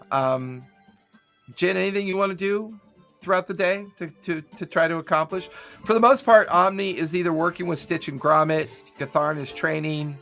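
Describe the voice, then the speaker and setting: A man's voice: on the high side, creaky, a bit bright. A man running a tabletop game as game master, narrating loosely with fillers over an online call.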